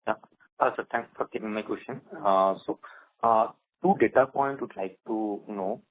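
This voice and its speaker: A man with an Indian accent asking questions as an investor on an earnings call, haltingly and with repeated words. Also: fairly low pitch. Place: phone call. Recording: tinny phone line, radio-like.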